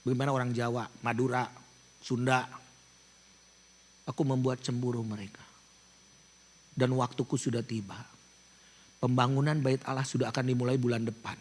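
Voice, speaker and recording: A man in his sixties from Indonesia, a pastor, telling a story in an animated sermon and mixing in English phrases. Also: mid-range voice, normal speed, long pauses. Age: 60s.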